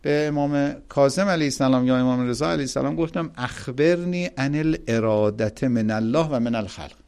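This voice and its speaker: A man giving a religious lecture, emphatic and animated, reciting Arabic quotations and explaining them to his audience. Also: medium pitch, clear, resonant tone. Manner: animated, emphatic, rises sharply on key points.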